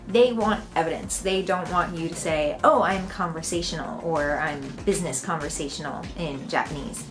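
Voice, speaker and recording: Chatty American woman vlogger. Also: mid-range voice. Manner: chatty, laughs often. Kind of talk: casual talk to camera.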